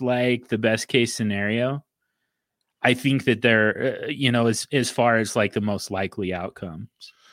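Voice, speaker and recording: A man speaks with ordinary pitch variation. The recording is very clean, and the background is silent. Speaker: podcast host. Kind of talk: casual banter, fantasy football podcast. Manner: jokey, opinionated.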